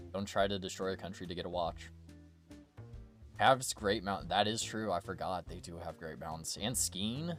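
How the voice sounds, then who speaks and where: A man's voice: deep voice, fairly bright tone. A young man chatting casually as a streamer, rambling and joking with plenty of swearing. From United States. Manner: rambling, jokey, profane. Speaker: VTuber streamer.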